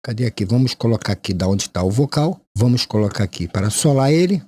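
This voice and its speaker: Tongue-tied Brazilian man with mellow voice. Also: mid-range voice, expressive, fast talker, breathy edge. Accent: Brazilian Portuguese. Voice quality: tongue-tied speech impediment, lisping articulation. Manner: formal, courteous address to viewers. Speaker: audio mixing tutor. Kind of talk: unscripted software tutorial.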